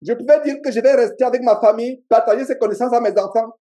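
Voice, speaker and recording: Male pastor, Cameroonian French accent, warm high voice, emphatic call-and-response sermon delivery. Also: fast. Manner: emphatic, repeats key phrases, call-and-response with the congregation. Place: church meeting.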